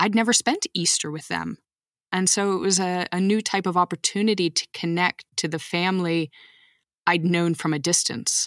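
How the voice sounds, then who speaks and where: Heard as a dry, close sound with no echo on a very clean recording with a silent background, a plain, everyday voice with an American accent moves at a moderate pace with fairly even intonation. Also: woman, fairly low pitch for a woman. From US; New Hampshire, then Texas and California. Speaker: interviewee living abroad. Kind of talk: casual interview chat.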